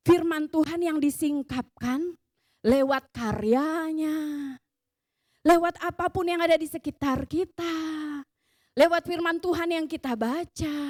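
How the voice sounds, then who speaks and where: A woman with a high voice preaches to young people, mixing a heartfelt personal testimony with urgent teaching. She sounds close and dry. Her emphasis climbs as she drives each point home. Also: darkish tone, dry recording. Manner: earnest and emotional, tells stories vividly. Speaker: youth service preacher.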